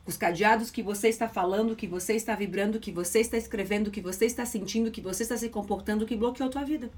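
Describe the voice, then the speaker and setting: A woman's voice: mid-range voice, fast talker, a little mellow. A woman, a mental coach giving a motivational podcast lesson, emphatic and repetitive as she stresses key phrases.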